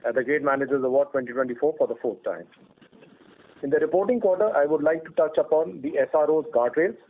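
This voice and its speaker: A man with an Indian accent delivers a scripted corporate presentation. His voice sits a little higher than most men's, and he speaks formally and steadily, like an executive reading prepared remarks. The sound is thin and narrow, as heard over a telephone conference line. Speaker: company executive presenting results on an earnings call.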